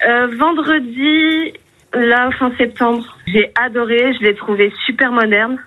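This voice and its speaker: A woman's voice: on the high side, fairly even intonation, a little slow, narrow, tinny audio. Cheerful woman calling in to radio. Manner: cheerful, chatty, giggly. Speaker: caller. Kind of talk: phone call to a radio show.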